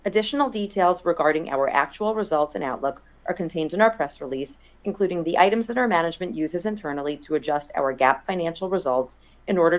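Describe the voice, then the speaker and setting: A woman executive in investor relations, reading a formal scripted statement on an earnings conference call. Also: sits low.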